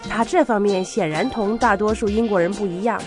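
A woman co-hosting a language lesson, explaining words clearly in a scripted style. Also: mid-range voice, fairly quick, over music. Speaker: co-host explaining words in Chinese. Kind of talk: scripted bilingual lesson presenting.

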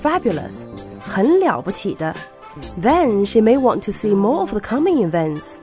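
Lively-pitched woman teaching vocabulary. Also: normal speed, faint music behind. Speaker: co-host explaining words in Chinese. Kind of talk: scripted bilingual lesson presenting.

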